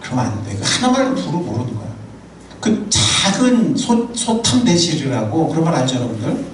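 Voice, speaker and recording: Animated pastor preaching in an echoey hall. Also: male voice, fairly high pitch, normal speed, distant mic, slight background noise. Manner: animated and humorous, tells personal anecdotes. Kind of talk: sermon. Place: church sanctuary.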